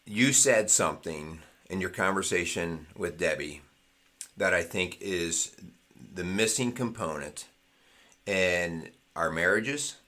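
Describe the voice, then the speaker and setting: A middle-aged man in casual podcast conversation, earnest and fond of repeating key phrases. His voice sits fairly low but sounds bright and forward. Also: slow. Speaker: co-host of a Christian marriage podcast.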